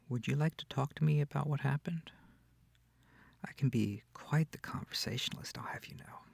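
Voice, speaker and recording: A sweet, comforting incubus demon played by a man speaks close and dry in an ASMR roleplay. His voice is soft and breathy with a touch of gravelly creak, and he takes his time, tender and a little hesitant. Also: mid-range voice, no room sound, heavily acted. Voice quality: breathy, often near whispering. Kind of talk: intimate ASMR audio roleplay.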